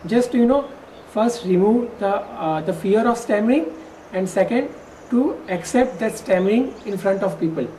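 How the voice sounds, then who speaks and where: Woman interviewee, stammers on first syllables, hesitant, soft dark tone, mic set back from her. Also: mid-range voice, moderate pace. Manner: hesitant, many fillers and restarts. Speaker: stammering workshop participant. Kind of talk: interview answers. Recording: distant mic with faint background noise.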